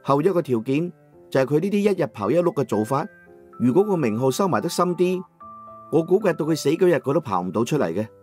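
A man narrating a first-person audiobook novel in a measured storytelling manner, over soft background music. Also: on the high side, big pitch swings. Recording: dry studio with soft music.

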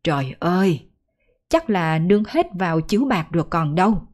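A woman's voice: on the low side, sing-song, moderate pace, darkish tone. A woman voicing an aging peasant mother who laments her gambling husband, in a folk ghost story. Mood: lamenting. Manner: wailing lament.

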